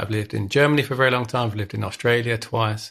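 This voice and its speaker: A man with a British accent and a medium pitch talks at a very fast pace. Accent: British, noticeable. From UK. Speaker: design leadership coach. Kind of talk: interview. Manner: halting.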